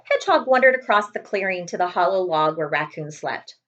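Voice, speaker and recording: A woman reading a children's storybook aloud as host, expressive and speaking directly to young listeners with friendly asides. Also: on the low side, brisk, highs cut off. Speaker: read-aloud host, librarian.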